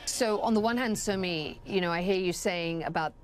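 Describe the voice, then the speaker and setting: A woman's voice: lowish voice, moderate pace, faint music behind. A woman anchoring a news broadcast who introduces a guest and asks poised, probing questions. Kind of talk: news interview.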